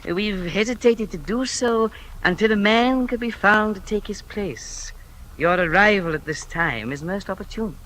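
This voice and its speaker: An actor playing a sly, smooth male informer in a 1950s radio drama, suave and insinuating. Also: high-pitched, unhurried, sharp tone, poor audio. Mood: silky.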